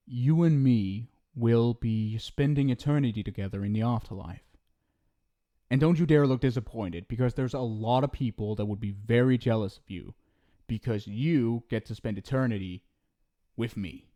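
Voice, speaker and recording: A man's voice: mid-range voice, moderate pace, highs cut off. A young man in an ASMR roleplay, scolding the listener in a teasing but caring way. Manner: scolding yet affectionate, playful teasing.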